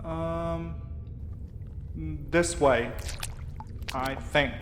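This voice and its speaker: A man's voice: fairly high pitch, steady tone, very slow, fairly bright tone, a little hiss or hum. A man acting an earnest, determined leader of a group of friends in a naturalistic audio drama, speaking in a matter-of-fact, encouraging way. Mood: intent, searching.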